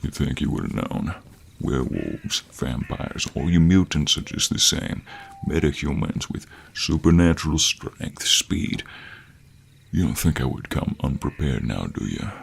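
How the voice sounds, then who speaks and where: Man acting a gravel-deep, slow-drawling cowboy monster hunter. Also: very animated, slight background noise, heavily acted. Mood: teasing, smug. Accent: American cowboy drawl. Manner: slow, teasing drawl with terms of endearment. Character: cocky cowboy monster hunter, flirtatious, menacing, superhumanly strong man. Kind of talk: intimate scripted audio roleplay.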